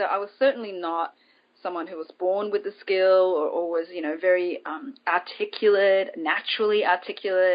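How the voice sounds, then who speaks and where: A woman with an Australian accent and big swings in loudness. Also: medium pitch for a woman, ordinary pitch variation, moderate pace. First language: Chinese. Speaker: public speaking trainer and author. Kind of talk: podcast interview.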